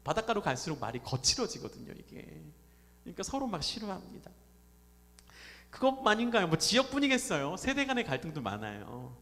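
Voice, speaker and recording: A man's voice: sits high, very animated, a little fast, fairly bright tone. A man preaching a Sunday sermon as pastor, talking conversationally and putting questions to the congregation. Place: church sanctuary. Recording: reverberant church hall.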